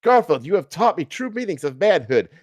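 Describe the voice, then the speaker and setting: A man's voice: high voice, big pitch swings, a little fast, dry recording, voice pushed up. A man playing grateful, pleading soldiers and statesmen in a storybook reading.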